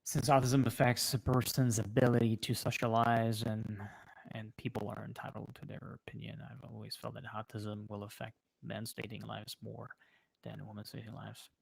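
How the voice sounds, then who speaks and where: A man with a French accent, a native French speaker, chatting casually on a livestream and answering viewers in a halting way, often pausing mid-sentence. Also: fairly low pitch, completely flat delivery, creaky, rough recording. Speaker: livestream host.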